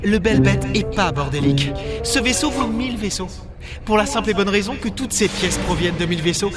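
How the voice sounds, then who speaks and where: A man playing a grumpy space captain who is always on edge, gruff and scolding, in an audio drama. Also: high-pitched, expressive, a little fast. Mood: stern, indignant. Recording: loud music under the voice.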